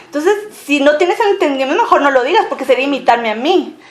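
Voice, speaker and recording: A woman teaching a casual Bible study group, chatty and lively, often laughing between her points. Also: high voice, quick pace. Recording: echoey room recording.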